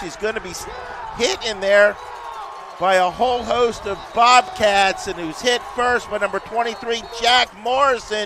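Raised, projected voice in an excited tone with lively intonation, at a fairly slow pace over noticeable background noise. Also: man. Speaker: football play-by-play announcer. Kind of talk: live sports commentary. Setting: stadium broadcast at the field. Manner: excited, rising intensity on scores.

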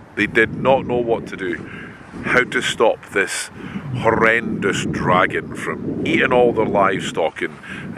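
A man's medium-pitched voice at a fairly slow pace, dry with no echo, over noticeable background noise. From Scotland. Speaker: vlogger. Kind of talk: casual talk to camera, outdoor vlog storytelling. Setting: outdoors. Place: open country. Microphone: phone near.

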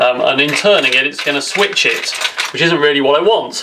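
A man's voice against noticeable background noise. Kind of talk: build vlog explanation. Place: workshop.

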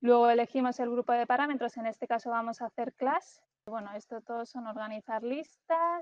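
Speech moves at a moderate pace with hardly any pauses and ordinary pitch variation. The sound is dry with no echo, over a quiet background. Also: woman, high pitch for a woman. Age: 30s. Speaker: architect; interviewee. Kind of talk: interview with screen-share tutorial. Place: home room. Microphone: earbuds.

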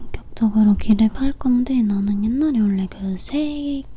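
At a very slow pace, a woman speaks with fairly high pitch and ordinary pitch variation. Noticeable background noise runs beneath her. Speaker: ASMR creator. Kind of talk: ear-cleaning roleplay as a friend, whispered talk. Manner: soft, casual, friendly, whispery.

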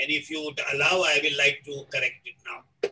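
A man talks with an Indian accent. Light background noise is present. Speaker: orthopaedic surgeon; presenter. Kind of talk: webinar lecture. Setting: video call. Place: home room. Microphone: webcam.

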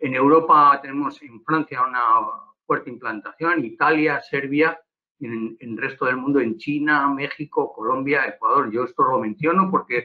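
Against a quiet background, a man with a fairly high voice talks at a very slow pace with ordinary pitch variation. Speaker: corporate strategy executive. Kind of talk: corporate presentation. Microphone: webcam.

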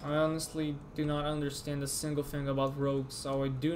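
Moderate-paced speech with a non-native accent and monotone, flat intonation. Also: man. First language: not English. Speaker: gaming streamer. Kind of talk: live gameplay commentary. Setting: home streaming setup with mic. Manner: casual, rambling with frequent profanity.

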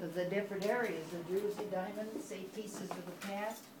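A woman speaks with an American accent at a medium pitch and a moderate pace. Noticeable background noise runs behind her. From Oregon. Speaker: rancher and local historian. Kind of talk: interview answer. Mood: animated, storytelling. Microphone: phone near.

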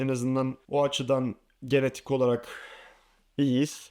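Speaking at a moderate pace, a man uses an ordinary speaking voice with medium pitch. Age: 20s. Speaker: YouTuber. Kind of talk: personal vlog monologue.

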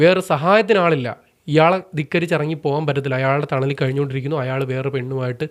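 A man talks in a plain, everyday voice with a fairly high pitch and ordinary pitch variation. The recording is very clean, with a silent background. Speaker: vlogger. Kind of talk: commentary monologue.

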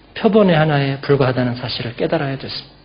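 A man talks with ordinary pitch variation. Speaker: pastor. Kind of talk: sermon. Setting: church.

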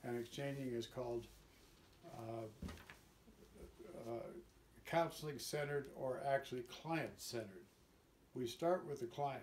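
A man speaks at a fairly slow pace in a somewhat breathy voice with ordinary pitch variation. Long, frequent pauses break his speech over light background noise. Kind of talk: interview answer. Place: office. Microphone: camera far.

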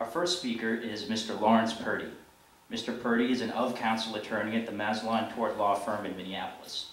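Audible room echo surrounds the voice. A man talks at a moderate pace with fairly even intonation. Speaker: student organizer. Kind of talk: event introduction. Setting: stage with audience. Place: hall.

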